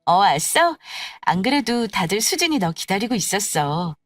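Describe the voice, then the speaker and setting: A woman playing a patient, polite, quietly confident young bride-to-be in an audio story, with composed and gentle phrasing. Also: mid-range voice, sing-song, normal speed, no echo, soft background music. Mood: placating. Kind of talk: acted dialogue in an audio story.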